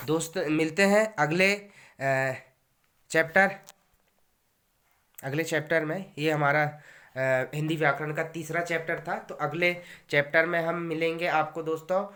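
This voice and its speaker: A man teaching a grammar lesson as a recorded lecture, often calling his listeners friends, saying each example slowly twice and pausing on hesitation sounds. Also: on the high side, fairly even intonation, sharp tone, clear, resonant tone. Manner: frequent hesitation fillers.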